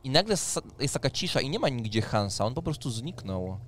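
With a mid-range, sing-song voice and a brisk pace, a man in his thirties acts as game master, explaining rules and narrating a tabletop RPG scene. The sound comes from a studio mic on a boom arm, and background noise is clear.

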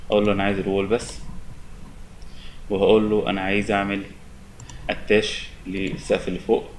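A young man with an Egyptian Arabic accent giving a relaxed, step-by-step software tutorial at his desk. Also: lowish voice, fast, a little hiss or hum, poor audio. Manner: relaxed, step-by-step explaining with many fillers. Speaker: software instructor. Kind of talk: screen-recorded software tutorial.

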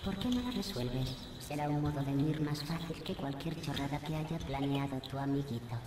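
A cold female AI overseer, low and level, mocking her test subject with calm menace. The sound is echoey and carries a loud hiss of noise beneath it. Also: normal speed. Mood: taunting. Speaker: game character.

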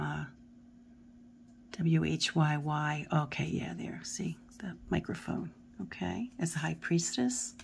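A middle-aged woman with a Philadelphia accent talks at her table, her low voice carrying a gravelly fry. She rambles through a tarot deck in a chatty, casual way, often dropping to a near murmur. The mic hangs above her hands on the table. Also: slight background noise. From Philadelphia area. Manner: chatty, rambling, often drops to a murmur while looking at cards. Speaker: tarot video host. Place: home table. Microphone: camera above the hands, speaker off frame.

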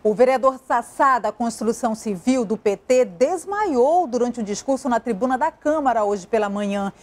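A young female news anchor with a northern Brazilian accent, reading in a crisp, formal way in a TV studio on a lapel mic. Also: fairly high pitch, lively intonation, moderate pace. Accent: Brazilian Portuguese, northern.

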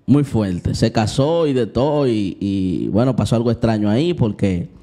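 In his vlog, a young Christian man recounts something personal in a low, mellow, expressive voice at a moderate pace. His delivery is open and confessional, aimed directly at viewers, with the events acted out as he goes.

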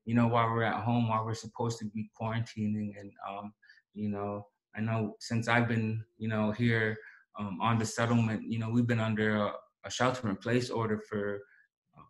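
A man's voice: fairly low pitch, low-quality recording. A man in his thirties hosting a live-streamed poetry reading from a small room, talking casually with many fillers and restarts, then reading his own poem. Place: small indoor room with banner backdrop.

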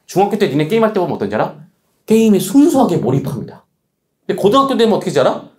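Fast, animated man coaching students. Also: high-pitched, reverberant. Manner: blunt, casual, teasing talk to teens, quick rhetorical questions. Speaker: study coach lecturing students. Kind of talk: lecture to students.

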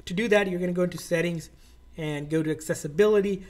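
A man's voice: sits high, fast, a little mellow. A man narrating a step-by-step tech tutorial in an informal, instructional way, often repeating his phrasing.

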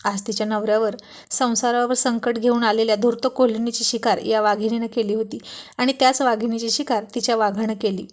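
A woman narrating a romance serial with steady, expressive reading. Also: on the high side, a little fast. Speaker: storyteller.

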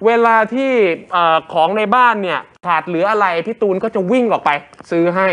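A man's voice: sits high, a little fast, fairly bright tone. A man co-hosting a television entertainment news show, a father of young kids, joking in casual banter while reading celebrity news. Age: adult father of young children. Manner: chatty, joking, polite sentence endings.

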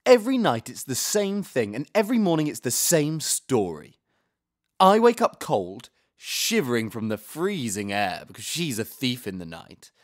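A man's voice: mid-range voice, big pitch swings, moderate pace, natural voice. An actor doing an exasperated sleepless young man. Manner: exasperated complaining. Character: weary young man who can't sleep.

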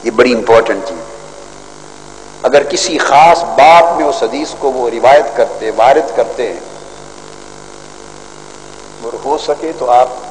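An older man, a religious scholar, giving a formal hadith lesson from a podium, measured and scholarly with emphatic rises. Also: medium pitch, darkish tone. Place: large outdoor stadium stage. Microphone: podium microphones. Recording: hall echo, faint background noise.

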